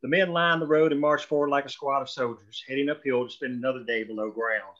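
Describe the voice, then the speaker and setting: A man's voice: medium pitch, steady tone, fast talker, a bit bright. A man reading screenplay stage directions as scripted narration at a table read, on dull lo-fi audio.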